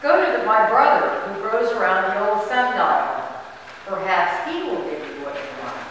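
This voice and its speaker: A woman voicing a gentle white rose tree in a stately storybook manner. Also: mid-range voice, sing-song, moderate pace. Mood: gently refusing. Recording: very echoey hall, distant microphone, noisy.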